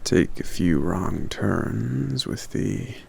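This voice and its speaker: Guy doing a soft-spoken shy giant for asmr, super slow and really gravelly, kinda hesitant and polite. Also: lively intonation, a little hiss or hum, exaggerated voice. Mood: fond, courteous. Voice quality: very deep, gravelly. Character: gentle, courteous, shy giant living in the forest. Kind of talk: ASMR roleplay, speaking to the listener.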